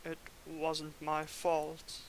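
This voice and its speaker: A man's voice: a little high, little pitch movement, unhurried, a bit bright, slight background noise, poor audio. A man voicing an anxious, flustered young male bird lawyer in a story game.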